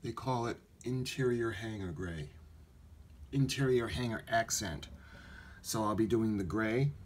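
Guy with a lowish voice doing a casual model building how-to, halting, thinks out loud, bit of background noise. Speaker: hobby model builder, video host. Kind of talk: casual hands-on tutorial narration. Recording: noisy handheld home video sound.

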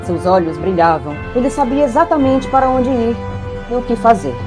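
A woman's voice: on the high side, lively intonation, moderate pace. A woman narrating a scripted story as the narrator of an audio drama. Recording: loud background guitar music.

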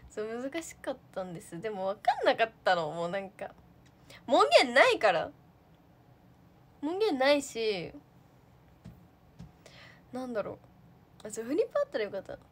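A young woman in casual livestream chat, answering viewer comments in a fairly high voice that swoops up and down a lot. She is chatty and giggly, packs her talk with fillers and sounds relaxed and unscripted. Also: a little fast. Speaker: idol trainee livestreamer.

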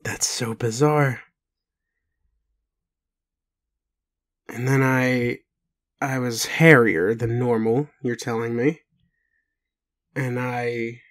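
A man playing a bewildered, doubting but gentle partner in an intimate roleplay audio, speaking haltingly with pauses. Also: mid-range voice, lightly acted. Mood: stunned, uneasy. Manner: halting, hesitant, full of pauses and sighs.

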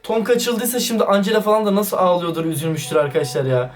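Excitable man with a distant mic. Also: sits high, fast talker. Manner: excitable, slangy, talks straight to viewers. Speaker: YouTuber reacting to a chat. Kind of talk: excited casual vlog commentary. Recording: distant mic with background music.

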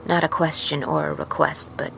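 A woman playing a wary, haunted truck driver in an intimate, confiding, halting audio-drama monologue. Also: sits low, little pitch movement, creaky, fairly bright tone, a little hiss or hum, exaggerated voice, rough recording. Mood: uneasy, haunted. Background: music.

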